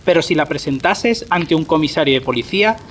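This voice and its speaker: Actor as sensible gentleman, slightly high male voice. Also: lively intonation, a little fast, slight background noise, lightly acted. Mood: sceptical, calm. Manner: formal, reasoning. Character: sceptical, concerned, sensible gentleman friend. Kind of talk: audio drama acting.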